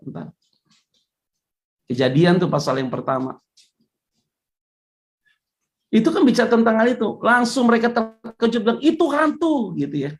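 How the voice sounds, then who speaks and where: A woman pastor, preaching a casual sermon in a chatty way, with joking asides. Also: on the high side.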